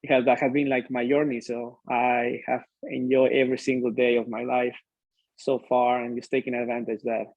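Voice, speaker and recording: A man's voice: mid-range voice, level tone, moderate pace, a little mellow, dry recording, highs cut off. A young man from Mexico with a Mexican Spanish accent, speaking as an upbeat interview guest who often ends his sentences with "right?". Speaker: interview guest, PhD student. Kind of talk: casual interview chat.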